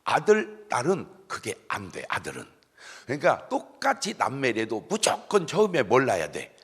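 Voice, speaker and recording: Middle-aged pastor guy, raspy gravelly voice, jumpy sing-song delivery, keeps asking the crowd questions, big echo in the church. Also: medium pitch, huge pitch swings, moderate pace. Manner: call-and-response questions to the congregation, humorous. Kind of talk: sermon at a dawn revival service. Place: church sanctuary. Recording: echoey church hall.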